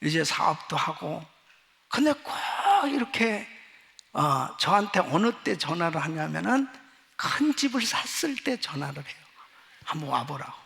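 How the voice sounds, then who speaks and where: Middle-aged Korean-born pastor, high gravelly voice, dramatic sermon delivery, long church reverb. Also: male voice, very animated, measured pace. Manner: dramatic preaching, swinging from quiet storytelling to shouting. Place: church sanctuary.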